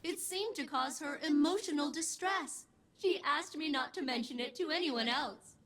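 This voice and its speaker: A woman voicing a chipper, literal-minded female ship AI in a video game, with prim, precise phrasing and deadpan asides. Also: sits high, normal speed. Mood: cheerful deadpan. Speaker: game character.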